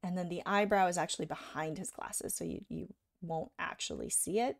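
A woman giving a live drawing lesson, talking casually while she sketches and often checking in with "right?", a little hoarse from being sick. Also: lowish voice, a little fast, dry recording, clean studio sound. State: slightly hoarse from illness. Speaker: art instructor.

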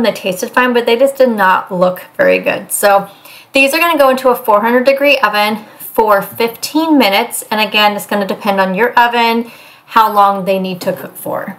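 A young woman talks her way through a meal prep in a home kitchen. Her delivery is loose and chatty, full of ums and side comments, at a mid pitch. The sound comes off a camera mic in the room. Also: a bit bright. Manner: chatty, rambling with fillers. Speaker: cooking vlogger. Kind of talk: casual meal prep narration.

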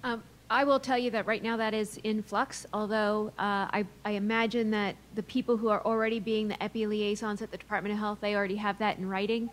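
A woman's voice: mid-range voice, level tone, a little fast, few pauses, slight background noise. A woman answering questions as a school administrator at a public meeting in a large room.

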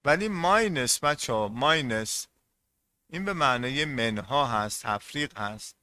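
A man teaching a classroom lesson in a bright, forceful voice. He goes over each term more than once and keeps turning to the class with questions. His pitch sits in a middle range. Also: dry recording. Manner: repeats terms and quizzes the class. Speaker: English teacher.

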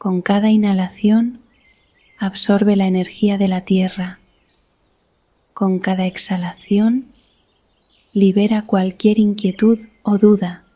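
A woman guiding a meditation in a soothing, deliberate manner with long pauses between phrases. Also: mid-range voice, level tone, warm tone. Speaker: guided meditation instructor. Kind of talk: slow guided meditation narration.

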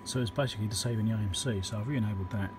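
Matter-of-fact man over loud background noise. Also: lowish voice, very fast. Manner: matter-of-fact, talking through each step while working. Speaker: electronics repairer and video host. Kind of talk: casual hands-on repair demonstration. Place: indoor electronics workbench. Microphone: handheld camera or phone microphone. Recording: loud hiss and background noise, handheld camera.

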